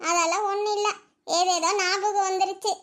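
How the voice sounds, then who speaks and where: A woman voicing an elderly village grandmother, speaking in a slow, soothing, affectionate way. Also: very high voice, fairly even intonation, a bit bright. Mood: tender, soothing.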